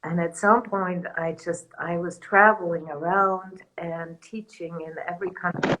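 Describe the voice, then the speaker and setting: A woman from Germany speaks in a low, unhurried voice. She shares as a spiritual teacher in a soft, earnest way, with light laughs between thoughts. Her English is careful and reflective. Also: steady tone, a little hiss or hum, poor audio. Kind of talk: reflective talk in a panel conversation.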